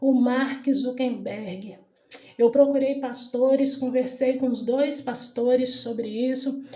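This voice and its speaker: A woman's voice: sits high, fairly even intonation, slow pace, dark tone. A middle-aged woman recounting a prophetic dream in an emphatic, repetitive, dramatic way. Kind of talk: earnest spoken testimony. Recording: echoey room.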